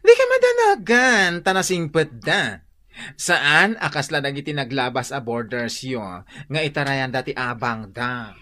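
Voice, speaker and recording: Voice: medium pitch, animated, a little slow, bright, forceful tone. A performer playing a sassy, effusive gay cousin in an Ilocano radio drama, exclaiming and teasing.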